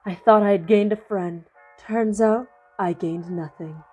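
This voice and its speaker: Heartbroken female taco, flat read, low-effort voice, woman reading, fanfiction. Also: measured pace, faint music behind, natural voice. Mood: glum. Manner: flat, barely acted, half-hearted British attempt.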